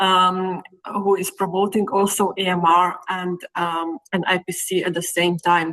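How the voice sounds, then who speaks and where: A woman's medium-pitched, bright, sharp voice with a non-native accent, flat monotone intonation, a fairly slow pace and hardly any pauses. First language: not English. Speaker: infection prevention nurse. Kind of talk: webinar presentation. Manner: hesitant, many fillers.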